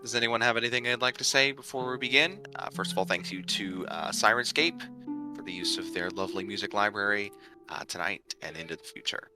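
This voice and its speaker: A man from the United States serving as dungeon master, narrating a tabletop game livestream in a halting way with many fillers and restarts. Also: on the low side, music in the background. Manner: halting, full of ums and uhs and restarts.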